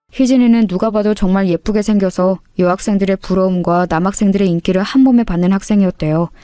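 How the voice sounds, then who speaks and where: Calm woman narrating a story. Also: mid-range voice, smooth, no echo. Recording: dry close voice with faint music behind.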